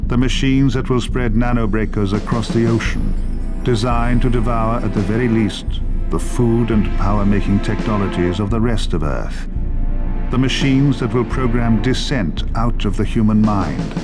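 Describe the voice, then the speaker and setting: A grave war narrator played by a man in a game cutscene. He is low-pitched, solemn and deliberate, with loud music behind him. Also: natural voice. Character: grave male war narrator, sombre and measured.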